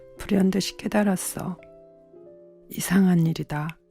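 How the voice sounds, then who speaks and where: A woman speaks at a fairly slow pace in a flat monotone. The sound is dry and close with no echo, with music in the background. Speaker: book reader. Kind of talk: literary reading of a novel.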